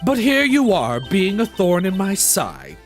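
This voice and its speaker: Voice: mid-range voice, huge pitch swings, unhurried. Smug female master-thief villain read by a streamer, dramatic taunts, swooping intonation, game music behind. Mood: smug, menacing. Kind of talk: video game dialogue read aloud.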